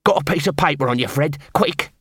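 A man's voice: fairly high pitch, a little fast, a bit bright, slightly rough, no room sound, clean studio sound. A man voicing a scrawny, cocky watch corporal in a storybook, swaggering and snappy with mock-official menace. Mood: urgent bossy.

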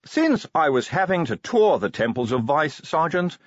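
A man voicing a cheerful, zealous preacher-constable who speaks slowly and piously. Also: a little high, sing-song, no room sound, lo-fi sound, pitched above the performer's own voice. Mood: earnest.

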